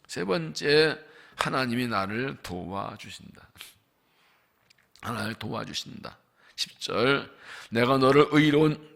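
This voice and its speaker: A man preaching as senior pastor at a dawn revival service in a church, emphatic, asking the congregation questions and slowly stressing scripture lines. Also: medium pitch, pushed and bright. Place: church sanctuary.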